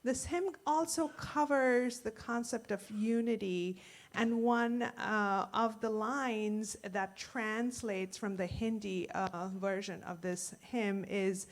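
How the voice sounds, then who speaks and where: A woman's voice: medium pitch, takes it slowly. A woman from India, introducing a hymn at a worship service in a hesitant way, not used to speaking in public. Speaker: congregation member introducing a hymn. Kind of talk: informal talk at a worship service. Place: church sanctuary.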